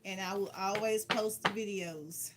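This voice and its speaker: Steady and medium in pitch, a woman speaks at a measured pace as she hosts a casual card-reading stream. She's a tarot reader whose advice is playful and blunt, with phrases repeated for emphasis. The audio carries obvious background noise and clicks.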